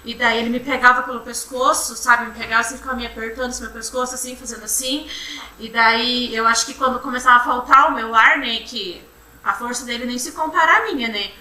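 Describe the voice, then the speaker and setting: A young woman giving courtroom testimony, retelling events in a halting, repetitive way. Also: a little high, fairly even intonation, pushed and bright. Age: young adult. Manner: halting, repetitive retelling, often restarting with "then". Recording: roomy courtroom from far off, faint hum.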